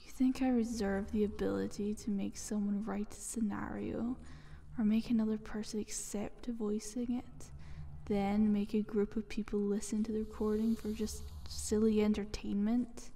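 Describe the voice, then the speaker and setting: A breathy eldritch monster, played by a woman, whispers in a slow, level ASMR monologue. She is calm, condescending and playfully ominous, with a mellow, slightly high female tone and some creak at the edges. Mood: patient, smug. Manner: slow, deliberate, coaxing.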